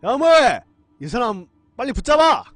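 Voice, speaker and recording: A man voicing a gruff, bullying male army investigator in a horror radio story, menacing and barking orders. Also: very high voice, very animated, moderate pace, no room sound, faint music behind, pitched above the performer's own voice, exaggerated voice. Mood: shouting. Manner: menacing, then yelling orders. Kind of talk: horror radio drama reading.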